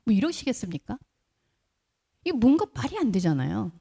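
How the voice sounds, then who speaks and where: Very animated at a moderate pace, a woman pastor preaches in a slightly high, creaky, mellow voice with a slight roughness. She keeps her sermon conversational, telling stories, posing rhetorical questions, and briefly voicing the people she quotes.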